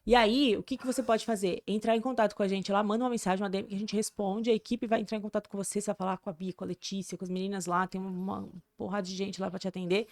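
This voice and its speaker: A woman's voice: mid-range voice, fairly even intonation, very fast, few pauses, a little mellow. A woman from Brazil, an English teacher, chatting casually as a guest and promoting her courses. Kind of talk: casual interview chat.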